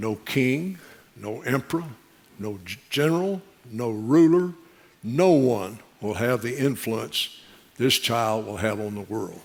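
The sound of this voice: In a put-on character voice, a man booms at a fairly slow pace and medium pitch, leaving long, frequent pauses.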